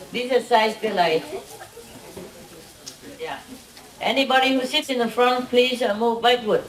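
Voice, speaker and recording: A woman who is not a native German speaker, with a foreign accent, talking casually to a group in short, simple, often repeated phrases as a teacher. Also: mid-range voice. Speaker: spiritual teacher leading a gathering. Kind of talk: casual informal talk to a group. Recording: echoey, distant mic, crowd around.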